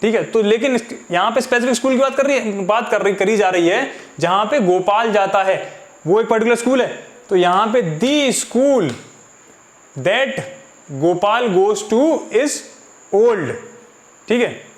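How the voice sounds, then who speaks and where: A man teaching English grammar for exam prep, reading example sentences out slowly, word by word. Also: high voice. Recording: echoey room.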